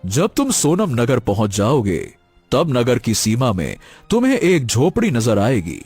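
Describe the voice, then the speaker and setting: A husky, calm old hermit sage. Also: male voice, medium pitch, no echo, soft background music, full character voice. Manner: calm, soothing, measured. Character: wise mysterious old male hermit sage. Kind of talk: cartoon story voice acting.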